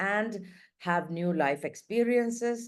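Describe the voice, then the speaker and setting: A woman's voice carries a dark, mellow tone with ordinary pitch variation. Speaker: online class host. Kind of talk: session introduction. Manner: loud.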